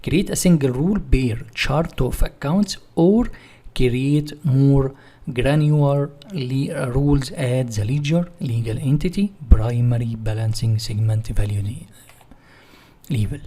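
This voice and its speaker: Male software trainer, non-native English speaker, mid-pitched husky voice, didactic question-and-answer delivery for screen tutorials. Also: slow pace. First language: not English. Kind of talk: screen-share software walkthrough, part read from notes.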